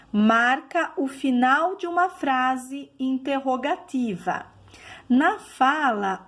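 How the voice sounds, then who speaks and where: A woman teacher giving a video lesson, explaining patiently and checking in with her class as she goes. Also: high-pitched.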